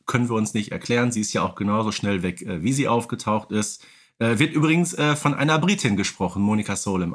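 A man's voice: medium pitch, a bit bright, husky. A man hosting a podcast, talking casually in a fan discussion. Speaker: podcast host.

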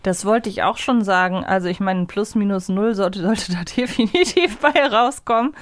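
A woman's voice: medium pitch, moderate pace, dry recording. Female co-host, reflective and conversational, mid-range voice, dry studio-like recording. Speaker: podcast co-host. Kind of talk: casual fan discussion of an audio drama.

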